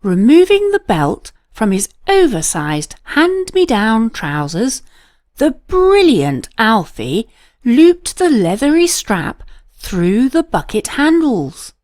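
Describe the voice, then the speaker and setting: A woman narrates a children's storybook. Her delivery is unhurried and dramatic, with emphatic pauses and a very lively, swooping pitch. The sound is dry, with no room around it. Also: no room sound. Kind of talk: expressive read-aloud storybook narration.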